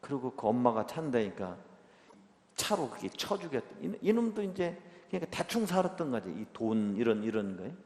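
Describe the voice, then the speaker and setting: A man, a Catholic priest, giving a catechism retreat talk, moving between hushed near-whispers and loud, emotional storytelling. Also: medium pitch, sing-song, normal speed. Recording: echoey hall with long reverb.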